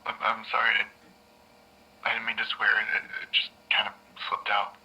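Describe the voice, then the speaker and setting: A man's voice: on the low side, completely flat delivery, bright, forceful tone, slightly rough, exaggerated voice. A man playing a stammering, shaken patient on an old tape. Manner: halting, stammering, subdued. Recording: thin, muffled old tape recording.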